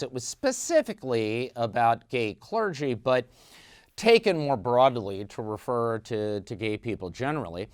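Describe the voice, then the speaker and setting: A middle-aged man giving measured news commentary, explaining church events with frequent "uh" fillers. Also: medium pitch, clean tone, no echo, clean studio sound. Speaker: news analyst.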